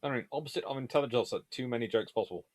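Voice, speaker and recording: This man talks very fast in a medium-pitched, slightly mellow voice as he hosts a casual live Q&A on naval history for viewers. He tends to ramble discursively and keeps correcting himself. The audio has no echo.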